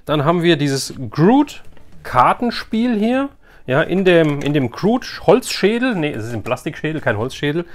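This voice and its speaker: Casual man unboxing, slightly higher-pitched voice. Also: sing-song, measured pace. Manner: informal, thinking aloud, frank with opinions. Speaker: YouTube host unboxing products. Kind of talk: casual unboxing commentary to viewers.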